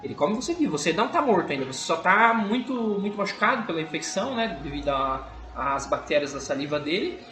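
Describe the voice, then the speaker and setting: A young man who talks fast and high and cuts in eagerly with facts. His pitch leaps around a lot. The room adds a clear echo. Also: very animated, over music. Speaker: podcast co-host. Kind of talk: casual banter among friends.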